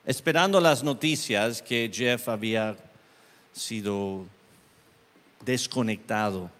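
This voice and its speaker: A man preaching a sermon and telling a story, impassioned, his voice swinging from hushed to loud. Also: lowish voice, slow, big-room sound.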